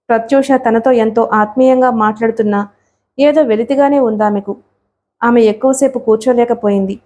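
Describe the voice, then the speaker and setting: A woman reads a novel aloud in a steady, measured way. Her voice is mellow and warm and sits a little above the usual pitch for a woman. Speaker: audiobook narrator. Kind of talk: scripted narration of a novel.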